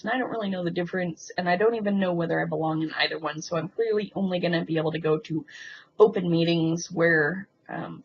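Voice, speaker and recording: A woman talking in a casual, rambling confessional vlog, hesitant and halting as she thinks aloud with frequent ums. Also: fairly low pitch. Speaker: video blogger. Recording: muffled lo-fi sound with faint background noise.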